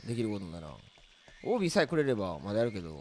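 A man with a Kansai accent at a very fast pace, with very wide pitch swings. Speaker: game streamer. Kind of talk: live gameplay stream. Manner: casual, fast.

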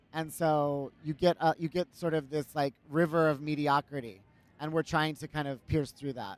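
A man with an unremarkable speaking voice talks at a moderate pace with fairly even intonation. The sound is dry, with no echo. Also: fairly high pitch for a man. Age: 40s. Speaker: hairstylist; interviewee. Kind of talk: casual interview. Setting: trade show. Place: hall. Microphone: studio mic.

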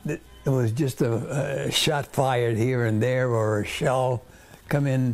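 A man's very slow speech with ordinary pitch variation over faint music in the background. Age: 80s+. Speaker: war veteran. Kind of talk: interview answer. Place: home room. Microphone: lapel.

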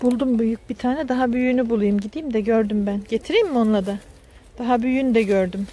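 Fairly high in pitch, a woman talks at a fairly quick pace. Her intonation stays fairly even. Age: 40s. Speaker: vlogger. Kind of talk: vlog narration. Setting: outdoors.

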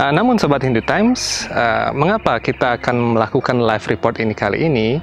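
A man amid loud background noise, the sound dry with no echo. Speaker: field reporter. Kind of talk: news report to camera. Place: open country.

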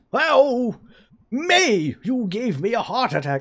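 In a put-on character voice, a man speaks at a fairly slow pace with an extremely high pitch and very wide pitch swings. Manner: startled.

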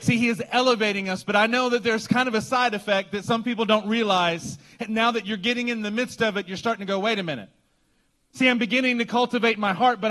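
A man's raised, projected voice, bright and sharp in tone, very fast, with fairly even intonation over a quiet background. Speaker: pastor. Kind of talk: sermon. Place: church. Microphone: handheld.

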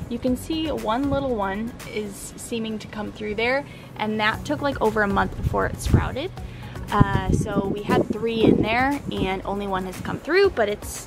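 Loud music plays behind a woman. She speaks at a moderate pace with ordinary pitch variation. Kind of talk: casual vlog chat. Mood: relaxed, lightly amused. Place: garden. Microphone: phone near.

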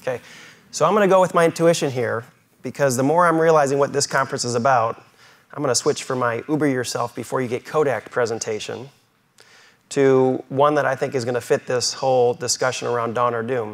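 A man at a fairly quick pace with ordinary pitch variation, in a quiet background. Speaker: keynote speaker. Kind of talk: conference keynote talk. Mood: friendly, slightly apologetic. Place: hall. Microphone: podium.

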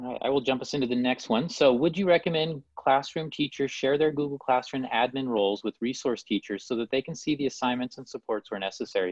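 The recording is dry with no echo and has a quiet background. A man talks at a very fast pace with hardly any pauses and ordinary pitch variation. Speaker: webinar moderator. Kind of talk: online webinar moderation. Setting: video call. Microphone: video call.

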